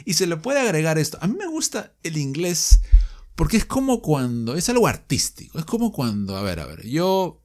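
Lively male English teacher. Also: a little high. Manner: lively and explanatory, repeating example phrases slowly. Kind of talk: online language lesson.

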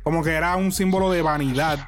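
A man hosting a casual chat, animated and laughing often, mixing in English. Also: on the high side, fast, soft background music. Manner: animated, laughing, code-switching. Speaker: podcast host.

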